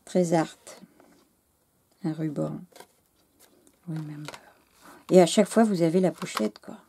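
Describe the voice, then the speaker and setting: A French woman hosting a scrapbooking channel, gushing in casual chat to camera, halting and losing her words, her voice going hoarse. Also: deep voice, fairly even intonation, mellow, slight background noise.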